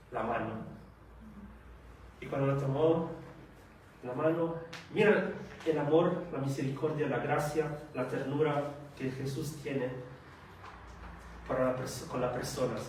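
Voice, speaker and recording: A man preaching a sermon, speaking slowly and haltingly with frequent hesitations and rhetorical questions. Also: mid-range voice, darkish tone, slight background noise. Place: church meeting hall. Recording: echoey hall recorded from far off.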